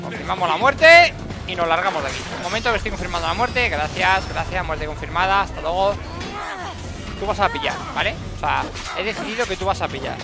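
A man with a Spain Spanish accent giving jokey, excitable gameplay commentary and talking to the game characters. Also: high-pitched, brisk, vocal fry. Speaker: gaming channel host. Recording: game music and sounds behind.

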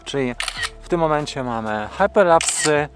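Calm man narrating a drone flight. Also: on the high side, moderate pace, music in the background. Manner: talks through each step while flying, calm and practical, with filler sounds. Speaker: drone video creator. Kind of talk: hands-on tutorial commentary. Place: outdoors in open grassland.

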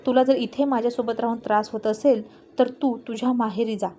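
A woman's voice: fairly high pitch, flat delivery, normal speed, dark tone, a little hiss or hum, natural voice. A woman reading as a stern police husband. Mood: curt. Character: stern male police officer, husband, curt.

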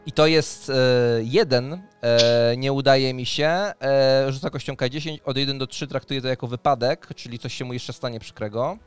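A man's voice: medium pitch, moderate pace, few pauses. Male game master telling a story over music. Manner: descriptive, dramatic storytelling. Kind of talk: narrating a tabletop fantasy roleplaying game. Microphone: close microphone on a boom arm, headset on.

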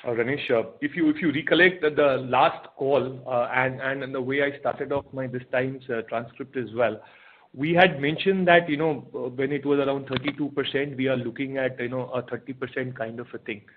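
A man with an Indian accent answering questions as an executive on an earnings call, speaking haltingly and repeating his phrases. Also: mid-range voice, fairly even intonation, a little hiss or hum. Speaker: company executive answering analysts. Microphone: telephone conference call. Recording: narrow, tinny phone conference line.

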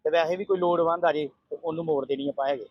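A man's voice: on the high side, steady tone, fast, husky, no echo, dull audio. A man who runs a family food stall, speaking in an earnest, repetitive way in a casual interview. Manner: earnest, repeats himself.

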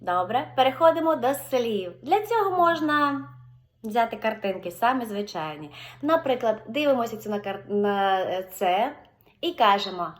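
A woman with a Ukrainian accent, a speech therapist teaching a video lesson and slowly drawing out sample syllables and words. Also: high-pitched. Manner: slow, drawn-out modeling of syllables and words.

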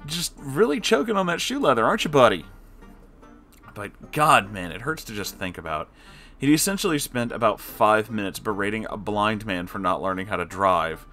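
Here a story reader, a man, narrates an online story with sarcastic asides directed at the listener. He has a lowish, lively voice that moves back and forth between loud and quiet.

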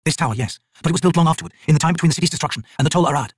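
A man's voice: a little high, very fast, husky, no echo, clean studio sound, voice pushed up. A man playing a grim young male tribal shaman in a fantasy audiobook, speaking with cold, urgent force. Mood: cold insistence.

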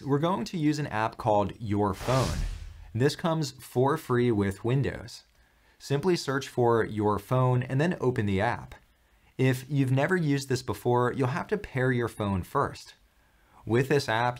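A man, hosting a step-by-step software tutorial in a clear instructional way. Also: medium pitch. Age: 30s. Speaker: tutorial host.

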